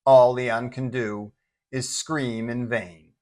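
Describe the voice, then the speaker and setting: A man's voice: medium pitch, fairly even intonation, slow pace, a little mellow. Man narrating a dramatic superhero story.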